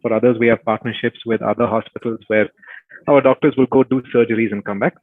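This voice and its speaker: A man's voice: mid-range voice, fairly even intonation, fast, no room sound. A man speaking as a company executive, answering questions on an earnings call over a phone line.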